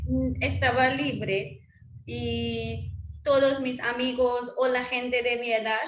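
Slow, high-voiced Indian woman. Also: echoey room. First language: Marwari. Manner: hesitant, searching for words. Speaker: guest, Spanish teacher. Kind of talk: interview.

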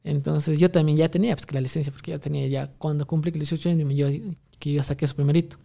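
A man's voice: a little high, steady tone, fast, gravelly, dark tone. A young man, rambling through a story in casual chat, full of restarts and fillers. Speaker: guest telling a story.

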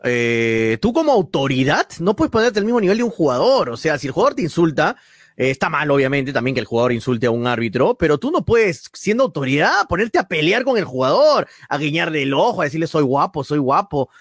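Fast, animated Peruvian sports talker. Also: male voice, on the high side, no room sound, clean studio sound. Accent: Peruvian Spanish. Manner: emphatic, indignant, repeats words. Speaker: sports talk co-host. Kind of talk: heated football commentary chat.

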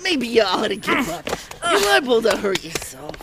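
A woman's voice: on the high side, big pitch swings, normal speed, noisy background. A woman playing a tough, threatening lady wrestler in an old-time radio noir parody, hard-boiled and brusque. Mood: menacing.

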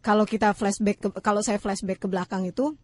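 A woman's voice: mid-range voice, fairly even intonation, fairly quick, darkish tone, no room sound. A woman in her thirties, a radio announcer, chatting casually in a studio as a guest, telling stories with lots of fillers and frequent laughter.

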